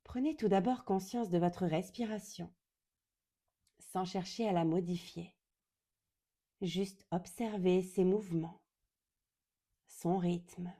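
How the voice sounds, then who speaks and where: A woman leads a guided meditation in a fairly low, very warm and relaxed voice. Her pace is slow and deliberate, with long pauses between short phrases. She sounds calm, gentle and soothing throughout. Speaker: yoga nidra guide.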